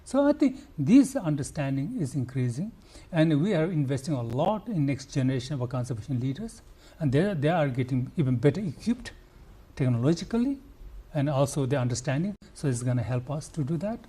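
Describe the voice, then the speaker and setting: An older Nepali conservationist gives earnest, faltering answers in an interview, restarting often and using fillers. His accented voice is a little high, warm with a breathy edge, and swings widely in pitch.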